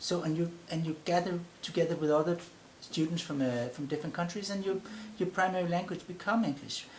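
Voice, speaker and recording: Someone with a Danish accent talks at a fairly quick pace over noticeable background noise. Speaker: university lecturer. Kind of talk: group discussion. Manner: halting.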